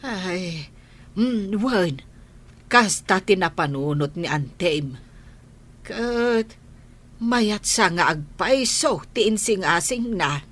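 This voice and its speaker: A woman's voice: mid-range voice, expressive, takes it slowly, a bit bright. A woman voicing a supportive grandmother in an audio drama, speaking reassuringly.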